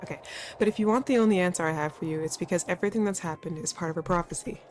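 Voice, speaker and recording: A woman's voice: on the low side, racing, a little mellow, faint music behind, close to an everyday voice. A woman voicing an earnest young exiled prince from a video game, reading his lines aloud in a put-on Australian accent.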